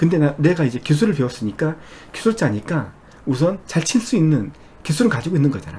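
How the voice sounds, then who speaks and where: This man's voice sits fairly high, with a dark, mellow tone and vocal fry. He talks at a fairly quick clip, his pitch swinging very widely. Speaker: exam prep instructor. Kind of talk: lecture. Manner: fast.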